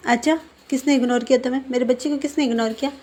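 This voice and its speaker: A woman's voice: high voice, steady tone, rapid-fire, a little mellow. A woman voicing a doting middle-aged mother who fusses over her boys in a fan-fiction story. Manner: fussing, doting.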